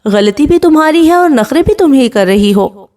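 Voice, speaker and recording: A harsh, scolding young man from a spoken novel, performed by a woman. He is a protective younger brother, and his raised voice sits fairly high. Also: animated, mellow. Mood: stern.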